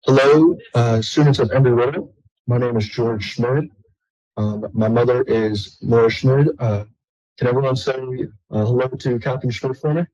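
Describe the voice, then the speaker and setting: Young man with a mellow voice on a lo-fi home video. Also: mid-range voice, normal speed, no echo. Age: young adult. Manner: friendly, rambling, many fillers. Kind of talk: casual video message.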